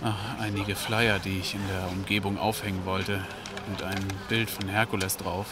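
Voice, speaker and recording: A man's voice: low voice, flat delivery, moderate pace, very noisy, close to an everyday voice. An actor playing a weary, troubled man, subdued and thoughtful, in a German audio drama. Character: weary, troubled man confiding in his neighbour.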